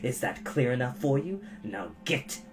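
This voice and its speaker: A reader voicing a menacing adult male villain who talks slowly in a low, whispery snarl. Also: very animated, soft background music. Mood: threatening.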